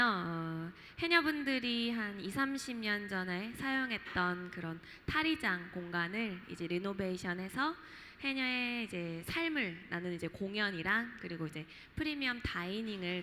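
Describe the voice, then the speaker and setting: A woman's voice: mid-range voice, animated, normal speed, sharp tone, slight background noise. A woman in her late twenties from Jeju, speaking as a panelist in a chatty, reflective way with many fillers. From Jeju, South Korea. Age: late 20s. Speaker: panelist, startup founder. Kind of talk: panel talk at a festival. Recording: reverberant hall, faint ambience.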